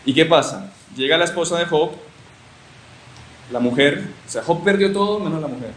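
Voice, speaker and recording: A man with a Uruguayan accent gives a teaching talk, retelling scripture as a lively storyteller with joking asides. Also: on the high side, moderate pace. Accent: Uruguayan Spanish. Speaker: religious formation speaker. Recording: echoey room with faint hiss.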